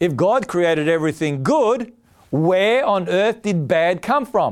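In an Australian accent, a man speaks fairly slowly at a high pitch with very wide pitch swings. The recording is very clean, with a silent background. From Australia, western suburbs of Melbourne. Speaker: pastor. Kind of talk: sermon. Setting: church with live audience.

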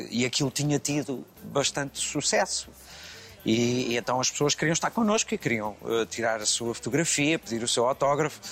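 A man at a moderate pace with ordinary pitch variation and music in the background. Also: medium pitch for a man, very even loudness. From Lisbon, Portugal. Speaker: actor. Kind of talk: interview. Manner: halting.

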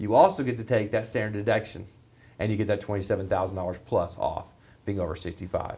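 Speaking at a moderate pace, a man with a fairly low pitch sounds somewhat breathy, his intonation fairly even. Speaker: financial advisor and co-host. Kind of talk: casual explanation of retirement accounts. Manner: explanatory.

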